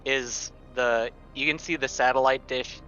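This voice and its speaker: A man chatting casually as a player in a tabletop roleplaying game, on a low-fidelity mic. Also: steady tone, measured pace, sharp tone. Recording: dull lo-fi microphone, music underneath. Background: background music.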